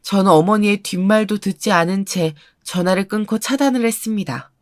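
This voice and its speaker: A woman narrating a first-person story in a calm, even manner. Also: mid-range voice, moderate pace, no echo, studio quality.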